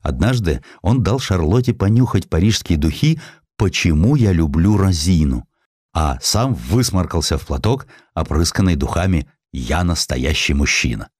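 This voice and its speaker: A man's voice: low-pitched, animated, moderate pace, darkish tone, no echo, clean studio sound. A man narrating a historical essay as a scripted audiobook, reading expressively and acting out the quotes.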